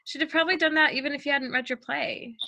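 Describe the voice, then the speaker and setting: A woman acts out a young college student cheering up a friend. Her voice is high and very bright and sharp, with breezy, encouraging delivery for a comedy sketch reading. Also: steady tone, quick pace, gravelly, full character voice. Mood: reassuring.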